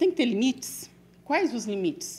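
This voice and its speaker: This woman's voice moves through very wide pitch swings. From Brazil, São Paulo interior (Marília). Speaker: journalist. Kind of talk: interview.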